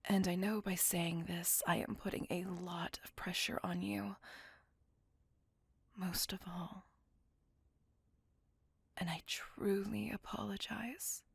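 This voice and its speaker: A woman voicing a possessive, devoted female vampire on a date, speaking in a soft, close, apologetic and doting whisper. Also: fairly low pitch, steady tone, slow pace, creaky, pauses often, slightly rough, no echo, full character voice. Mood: tender whisper. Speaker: voice actor. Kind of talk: ASMR roleplay whispering.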